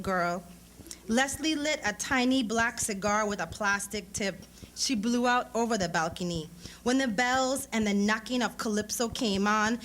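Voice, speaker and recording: High-voiced woman reading aloud, noisy recording. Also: a bit bright. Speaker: author reading a short story at a public event. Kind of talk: dramatic literary reading of narrative prose with acted dialogue. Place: live lecture event before an audience.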